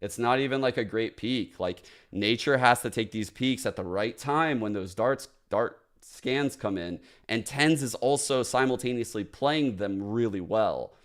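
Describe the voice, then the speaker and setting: A man streaming live analysis of a match, excitable and swearing often, calling people "bro". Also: medium pitch, measured pace, hardly any pauses.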